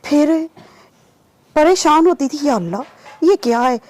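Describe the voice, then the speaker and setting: A woman giving a personal testimony in an interview, telling her story in a lively way and acting out the remembered dialogue. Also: sits high, unhurried. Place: lives in Saudi Arabia.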